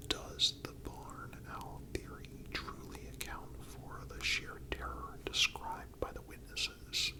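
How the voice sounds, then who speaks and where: This ASMR narration is a scripted story told wholly in a breathy whisper, paced in a deliberate, measured way. It comes through on a low-quality recording.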